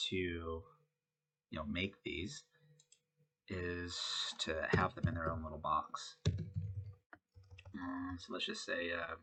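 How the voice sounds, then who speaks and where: A man with a congested voice from a head cold, talking through a web coding tutorial in a relaxed way with many fillers. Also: low-pitched. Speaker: web design instructor. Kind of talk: screen-recorded coding tutorial.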